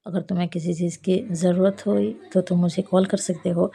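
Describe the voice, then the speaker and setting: A woman's voice: lowish voice, little pitch movement, moderate pace, vocal fry, mellow, slightly rough. A woman voicing a smiling, easygoing young man in a storybook. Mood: friendly. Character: friendly young man, childhood friend.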